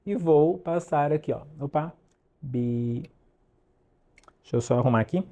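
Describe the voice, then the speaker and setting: A man teaching an online English lesson, drilling pronunciation slowly and checking in with "ok?" often. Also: on the high side, mellow.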